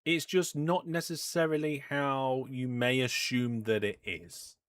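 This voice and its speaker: A man's voice: mid-range voice, steady tone, a little slow, a bit bright, dry recording. A man hosting a live game stream, chatting through his play, reading out viewer messages and reacting with mock alarm. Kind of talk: live gameplay commentary. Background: background music.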